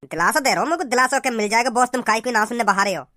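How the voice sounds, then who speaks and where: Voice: mid-range voice, very fast, bright, forceful tone, dry recording, clean studio sound, voice pushed down, natural voice. A performer voicing a nervous male henchman in a cartoon, stammering as he placates his boss.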